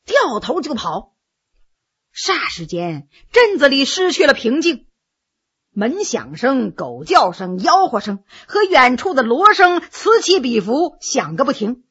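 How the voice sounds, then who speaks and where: A woman narrating a story in a lively, expressive audiobook style. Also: high-pitched, a little slow, breathy edge, dull audio.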